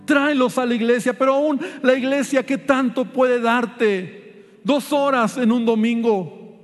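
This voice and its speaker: Male pastor, urgent preaching, high voice, big reverberant church hall. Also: fairly even intonation, unhurried, soft background music. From Mexico. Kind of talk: sermon.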